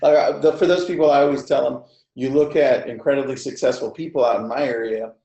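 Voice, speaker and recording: A man's voice: mid-range voice, steady tone, a little fast, dark tone. A man hosting a casual group webinar chat in an informal, laid-back way. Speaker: host of a group discussion. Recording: echoey room.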